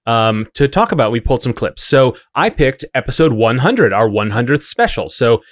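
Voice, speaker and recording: A man's voice: medium pitch, very animated, normal speed, dry recording, clean studio sound. A man co-hosting a podcast in casual chat, with a wry, rambling way of explaining things. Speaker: podcast co-host.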